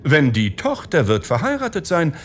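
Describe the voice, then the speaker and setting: A man voicing a shrewd, scheming wife who keeps asking her husband about their debts, in a high, mock-sweet voice. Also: huge pitch swings, moderate pace, a bit bright, a little hiss or hum. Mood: wheedling.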